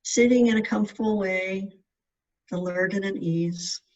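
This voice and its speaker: A mid-pitched meditation guide reads a scripted practice, speaking in gentle, measured phrases with pauses between them. The sound is dull, muffled and lo-fi, as though the microphone sits well away from her.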